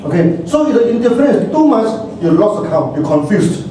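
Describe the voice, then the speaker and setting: Malaysian man, middle-aged, high-ish mellow voice, halting delivery with frequent repeats, far mic in a very echoey room. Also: very animated, slight background noise. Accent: Malaysian English. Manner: halting, repeats words, chuckles often, mixes in Malay phrases. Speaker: speaker discussing meditation. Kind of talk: casual talk.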